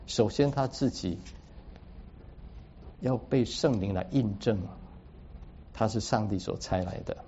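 A man's voice: fairly low pitch, measured pace, pauses often, dark tone, a little hiss or hum. A man preaching a sermon, teaching through a Bible passage in an explanatory way and dropping English words into his speech. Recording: dull lo-fi recording.

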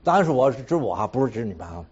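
A man's voice: mid-range voice, racing, slightly rough, dull audio. A man giving a personal testimony to a congregation, repeating phrases, tacking a casual "ha" onto his sentences and laughing at himself between points. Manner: animated storytelling with repeated phrases and a habitual trailing "ha".

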